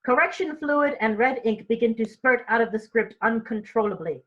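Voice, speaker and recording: A woman's voice: on the high side, normal speed, fairly bright tone, highs cut off. A woman reading stage directions in an informal read-through, tripping over and repeating words now and then.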